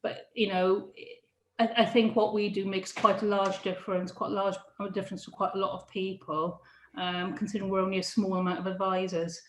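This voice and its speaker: A woman's voice: mid-range voice, little pitch movement. Woman chatting in an echoey room. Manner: halting, many restarts and laughs. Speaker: prison careers adviser, interviewee. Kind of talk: casual interview chat.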